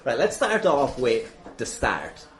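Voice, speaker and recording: A man's voice: medium pitch, huge pitch swings, slow, fairly bright tone. An Irish man hosting a podcast as a casual interviewer, teasing, irreverent and prone to swearing. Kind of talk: casual, jokey podcast chat. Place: inside a busy gym.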